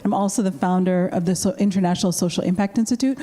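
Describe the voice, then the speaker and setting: Woman prof introducing herself on a panel, mellow warm tone, lots of ums. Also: on the low side, fast. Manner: warm, gracious, with many fillers. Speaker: panelist, adjunct professor.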